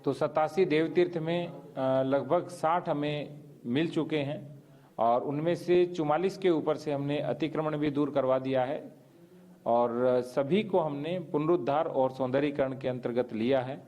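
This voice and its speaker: A man speaking as a local official, explaining to the press in measured, formal bureaucratic wording. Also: a little high, steady tone, mellow.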